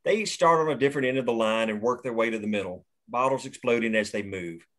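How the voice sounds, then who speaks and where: Steady man reading stage directions. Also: medium pitch, fast. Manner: plain, steady read of action lines. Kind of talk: table read of a screenplay.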